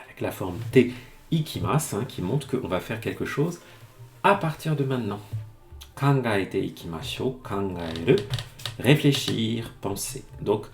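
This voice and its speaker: A man teaching Japanese in French on a live stream, reading passages aloud and explaining them in a chatty, lively way. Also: lowish voice, unhurried, gravelly, faint music behind. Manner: greets chat viewers by name. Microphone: streaming mic.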